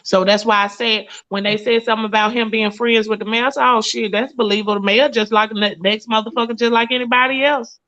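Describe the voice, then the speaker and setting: A woman's voice: a little high, steady tone, fast talker, few pauses, fairly bright tone. A blunt, profane woman, hosting a casual talk show. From Mississippi, US. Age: late 30s. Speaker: host. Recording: lo-fi stream audio.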